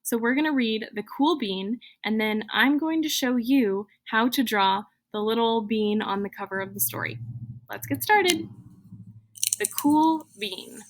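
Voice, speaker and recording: Female, higher-pitched voice, primary teacher type, expressive children's story read-aloud with drawn-out emphasis. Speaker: elementary school teacher.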